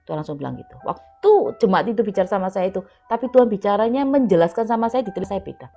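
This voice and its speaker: Woman preacher, emphatic sermon delivery, mid-pitched, soft music under her voice. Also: quick pace. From Indonesia. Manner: emphatic, repeats key words, acts out quoted dialogue. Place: online prayer meeting, remote.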